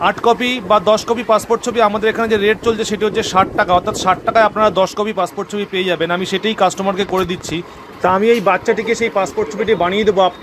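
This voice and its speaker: Brisk, high-voiced Bengali man. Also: fairly bright tone, slight background noise. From West Bengal, India. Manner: brisk, instructive, addresses viewers as friends. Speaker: cyber cafe owner and channel host. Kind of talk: explanatory voice-over narration.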